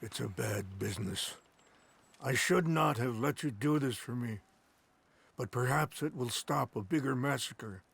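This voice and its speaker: An actor playing a dignified, calm middle-aged tribal leader in a video game, speaking in a measured, formal and gentle way. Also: male voice, mid-range voice, vocal fry, breathy edge, dry recording, exaggerated voice. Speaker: tribal chief. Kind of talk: video game cutscene dialogue. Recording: orchestral game score behind.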